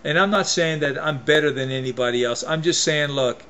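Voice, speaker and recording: A man's voice: fairly high pitch, fairly quick, bright, forceful tone, slight background noise. A man delivering an opinion rant to camera as a vlogger, emphatic and folksy, often restarting and repeating his phrases.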